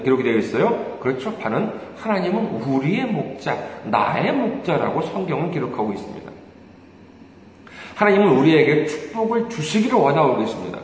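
Animated male pastor in an echoey hall. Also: a little high. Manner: animated, asks the congregation rhetorical questions. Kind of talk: sermon. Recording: echoey church hall, faint noise.

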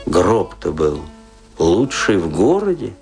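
A bitter, washed-up provincial clown of the stage, drunk and brooding in a radio play. His low voice moves very slowly through a rambling, self-mocking soliloquy, with faint music behind it. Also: big pitch swings, creaky, a little mellow, exaggerated voice. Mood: befuddled, musing. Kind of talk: theatrical radio drama monologue.

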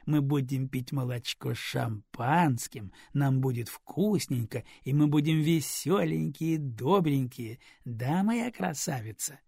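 A man's voice: medium pitch, lively intonation, slow pace, vocal fry, hardly any pauses, dark tone, slightly rough, dry recording, studio quality, full character voice. A man voicing a tipsy young mother who scolds her partner and coos baby talk to her infant. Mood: cooing.

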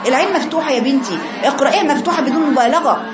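An Egyptian woman teaching Quran recitation to a class, correcting students and demonstrating drawn-out chanted syllables. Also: high voice, crowd noise. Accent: Egyptian Arabic.

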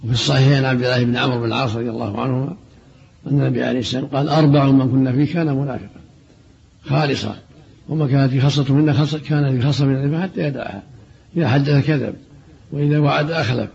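An older man, an Islamic scholar, giving a religious lesson, briskly quoting texts and then explaining them plainly. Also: medium pitch, steady tone, a little mellow. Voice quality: gravelly, very husky. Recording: dull lo-fi archive recording.

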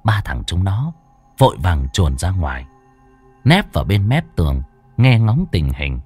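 A man's voice: low voice, very animated, measured pace, darkish tone, breathy edge. A man narrating a ghost story in a dramatic storytelling manner. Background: faint background music.

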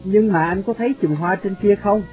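A man's voice: sits high, brisk, pitched above the performer's own voice, natural voice. A man reading aloud, voicing a young girl who whines and pleads. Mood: insistent. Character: young girl, sweet, sulky and teary. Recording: dull lo-fi audio, faint music.

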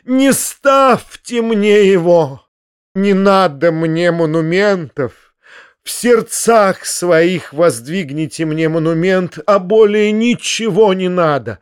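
Male reader playing a theatrical, self-pitying man, high drawn-out wails, slow. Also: darkish tone, smooth, no echo, studio quality. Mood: anguished. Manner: wailing, drawn-out declamation.

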